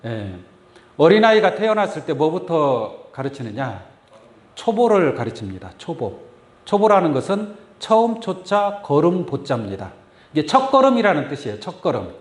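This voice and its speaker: Male pastor, sermon delivery, questions to the flock, lively pitch, roomy church sound. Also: moderate pace. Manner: asks the congregation many questions. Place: church sanctuary. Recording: echoey church room. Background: congregation saying amen.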